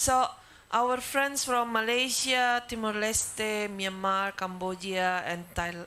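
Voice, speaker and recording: A woman with an Indonesian accent speaks at a very slow pace. Her fairly high voice has a bright, sharp tone and ordinary pitch variation. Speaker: seminar moderator. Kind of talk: moderating Q&A. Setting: seminar hall with audience and Zoom.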